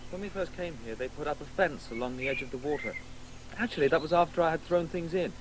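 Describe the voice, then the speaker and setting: A man's voice: a little high, fast, noisy background, close to an everyday voice. A man playing a clever, haughty disabled boy in a 1980s radio drama, explaining things in a pedantic, condescending way. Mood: musing, matter-of-fact. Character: precocious, disabled boy Alexander, pedantic, haughty, coldly provocative.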